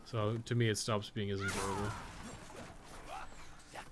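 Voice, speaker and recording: A man's voice: lowish voice, little pitch movement, unhurried, background noise. A man giving casual, candid live gameplay commentary in an informal, conversational way, as a streamer chatting with viewers. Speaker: game streamer and guide maker.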